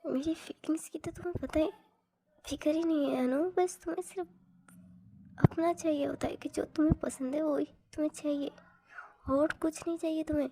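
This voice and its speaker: A woman's voice: high voice, steady tone, moderate pace, dark tone, a little hiss or hum, pitched above the performer's own voice. A woman voicing an angry, cold young married woman who scolds sharply.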